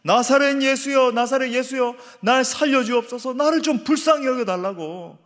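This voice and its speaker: A pastor acting out a desperate blind beggar. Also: male voice, high voice, lively intonation, normal speed. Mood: pleading. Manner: pleading, crying out. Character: desperate blind male beggar crying for help. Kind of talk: sermon role-play. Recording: reverberant church hall.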